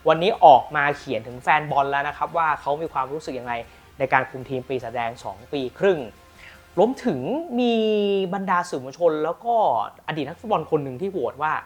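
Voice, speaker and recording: A man hosting a football news channel, telling the latest transfer stories with lively emphasis and then pitching rare team shirts. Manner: lively, emphatic storytelling with frequent polite particles. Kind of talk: energetic football news commentary and product pitch.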